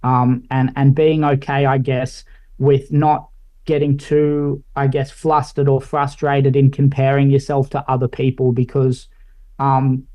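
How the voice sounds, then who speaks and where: A man's voice: mid-range voice, a little slow. A man in his late twenties with an Australian accent, a guest on a podcast, chatting casually and rambling a little with lots of "like" and "I guess". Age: late 20s. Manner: relaxed, rambling, many fillers like "like" and "I guess". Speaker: guest, finance analyst.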